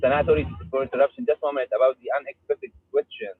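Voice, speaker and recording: Man from Syria, halting soft speech, husky voice, tinny dry call audio. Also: mid-range voice, level tone, no room sound. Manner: halting, soft-spoken, plain accounts. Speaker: residency applicant sharing interview experience. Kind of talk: video call Q&A. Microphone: video call.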